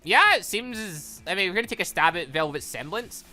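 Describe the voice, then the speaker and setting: An excitable gaming YouTuber reading a visual novel aloud and commenting on it in an animated, exclaiming manner. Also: medium pitch, fairly quick. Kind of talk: let's play commentary mixed with reading dialogue aloud. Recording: music behind the voice. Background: video game music.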